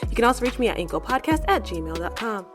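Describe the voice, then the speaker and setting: A woman's voice: on the high side, very animated, quick pace, over music. A woman podcast creator reading a scripted outro with an upbeat, friendly delivery. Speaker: podcast creator and sole voice actor.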